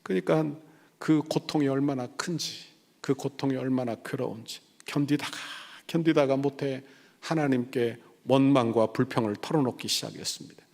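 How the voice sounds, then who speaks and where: A middle-aged senior pastor with a creaky, slightly mellow, mid-range voice preaches a sermon at normal speed. He tells stories, acts out the voices of the people he quotes, and builds to emphatic passages.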